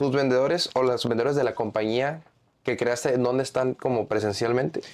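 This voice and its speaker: A man talks with very even loudness and fairly even intonation. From Mexico. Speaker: podcast host. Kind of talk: interview.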